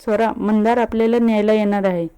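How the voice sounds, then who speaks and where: A woman's voice: mid-range voice, little pitch movement, fast talker, mellow, clean tone, natural voice. A woman voicing a bossy, protective young woman who hosts a party, speaking in a commanding, coaxing way. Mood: breezy.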